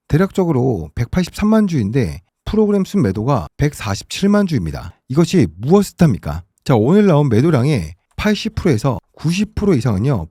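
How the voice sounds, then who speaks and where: A man hosting an emphatic stock market commentary, with a hoarse voice from a sore throat and a dramatic, rhetorical way of talking. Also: on the high side, dry recording, studio quality. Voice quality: hoarse, husky. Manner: dramatic, rhetorical, forceful wording. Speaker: stock analysis host.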